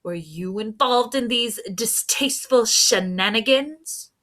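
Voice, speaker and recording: A woman's voice: on the high side, takes it slowly, fairly bright tone. A woman voicing an accusing, vain male police inspector from a storybook, with emphatic, dramatic questioning. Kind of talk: storybook character voice.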